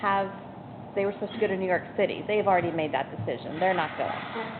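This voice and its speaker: Ordinary pitch variation runs through the speech, with noticeable background noise behind it. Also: woman. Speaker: school board member. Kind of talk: board meeting discussion. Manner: halting.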